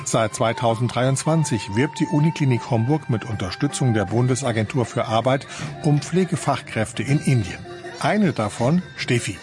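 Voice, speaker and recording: A male reporter reads a scripted news piece in a calm, steady way. His voice sits at an ordinary middle pitch. Faint music plays underneath him. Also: moderate pace. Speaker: radio reporter.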